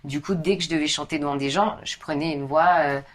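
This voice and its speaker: A young woman with a deep, husky speaking voice talks loosely and informally as a podcast guest. She strings long stories together with lots of casual fillers. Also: fairly even intonation, brisk. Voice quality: low husky voice. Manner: chatty, informal, many fillers.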